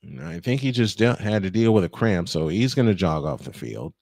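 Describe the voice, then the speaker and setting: A man calling a football game play-by-play, steady between downs and surging with excitement on big plays, sometimes correcting himself mid-call. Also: lowish voice, a little fast, creaky, no echo. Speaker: play-by-play announcer. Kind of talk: play-by-play commentary.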